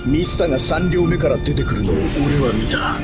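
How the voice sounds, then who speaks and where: A man playing a ruthless, proud gangster assassin in an anime video game, husky, with theatrical, menacing, rough tough-guy speech. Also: fairly high pitch, lively intonation, a little fast, over loud music, lightly acted. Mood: stern, controlled.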